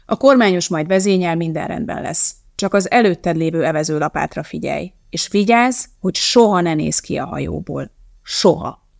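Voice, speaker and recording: A woman's voice: fairly low pitch, gravelly, a little mellow, dry recording, clean studio sound. A woman voicing a cheerful, confident young male scientist in an audiobook, with an upbeat, reassuring manner. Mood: instructing. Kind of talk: audiobook character voice.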